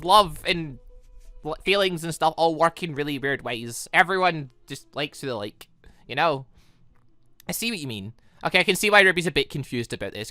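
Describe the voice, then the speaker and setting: A woman's voice: sits low, sharp tone, dry recording. A woman giving casual, chatty let's-play commentary on a visual novel, rambling through giggly asides. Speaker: gaming video host.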